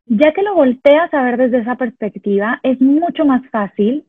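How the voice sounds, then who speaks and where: Lady teaching parenting, kinda high husky voice, sounds like a tinny phone line. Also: moderate pace, dry recording. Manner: calm step-by-step explaining, models phrases to children. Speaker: parenting educator. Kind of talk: instructional talk on positive discipline.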